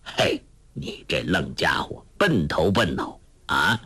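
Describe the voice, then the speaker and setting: A man voicing a gruff, teasing old male beggar and martial arts master in a storybook reading. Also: huge pitch swings, slow pace, pushed and bright, no room sound, heavily acted. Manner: low, gruff, chuckling.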